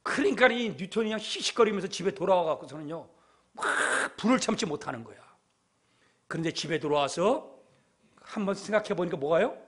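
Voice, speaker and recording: A man preaching a sermon with a notably high voice. He tells stories emphatically, dropping soft and then rising loud as a pastor drives his point home. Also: animated, brisk, breathy edge.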